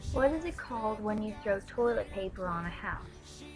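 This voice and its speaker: Music plays behind a woman speaking in a Texan accent. She keeps a moderate pace. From Texas, USA. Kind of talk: casual talk to camera.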